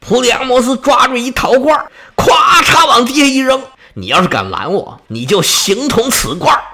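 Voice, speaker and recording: A man voicing a stubborn old king, a grieving father who talks in a gruff, headstrong way. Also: extremely high pitch, big pitch swings, moderate pace, pushed and bright, pitched above the performer's own voice, full character voice. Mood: defiant.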